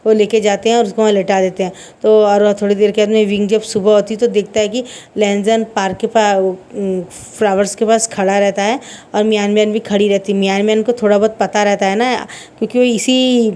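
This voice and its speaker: Woman, casual story retelling, mellow dark tone, conversational, repeats speech tags. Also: medium pitch, little pitch movement, a little fast. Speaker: fanfiction story explainer.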